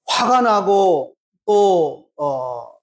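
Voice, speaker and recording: Slow-preaching pastor, high voice. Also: male voice, sing-song. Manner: slow, drawn-out preaching with acted-out dialogue. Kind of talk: sermon. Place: church sanctuary.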